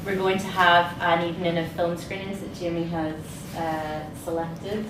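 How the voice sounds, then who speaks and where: A woman hosting an informal exhibition tour, talking in a relaxed, conversational, slightly hesitant way. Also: fairly low pitch, normal speed. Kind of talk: informal public talk. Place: indoor gallery space. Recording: echoey room, distant mic, noisy.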